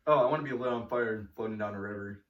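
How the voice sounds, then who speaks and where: A young man co-hosting a casual podcast, trading dry, deadpan jokes with a friend. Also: fairly low pitch, racing, dull audio. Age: young adult. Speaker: podcast co-host. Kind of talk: casual chat. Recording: echoey room, mic at a distance.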